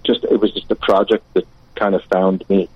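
A man from the United States calling in to a radio show, speaking in a reflective, measured way. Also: sits low, little pitch movement, slightly rough, dry recording, narrow, tinny audio. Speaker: radio caller. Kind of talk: phone-in conversation.

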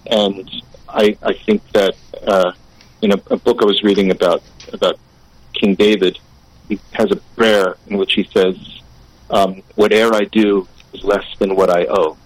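Low-voiced, reflective male radio caller. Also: little pitch movement, no room sound, rough recording. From United States. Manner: reflective, measured. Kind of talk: phone-in conversation.

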